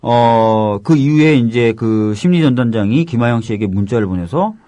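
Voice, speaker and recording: A man commentating on a talk show, laying out facts point by point in a measured way. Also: mid-range voice, animated, mellow, no room sound. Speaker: panel commentator.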